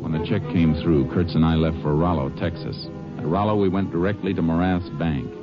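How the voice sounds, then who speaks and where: An actor playing a calm, shrewd Texas Ranger in a 1950s radio western, speaking in a terse, matter-of-fact way. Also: male voice, sits low, brisk, over loud music, close to an everyday voice. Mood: plain narration. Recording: dull old 1950s radio recording.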